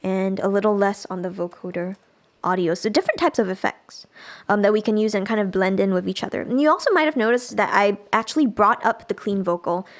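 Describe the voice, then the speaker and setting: A woman giving a casual live software tutorial as a music production instructor, thinking aloud as she demonstrates. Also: medium pitch, brisk.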